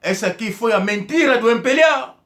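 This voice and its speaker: Man, high-pitched, fiery accusatory monologue with stumbling repeats. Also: expressive, brisk, a bit bright. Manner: emphatic, accusatory, repeats words when stumbling. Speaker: political commentator. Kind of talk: impassioned political monologue.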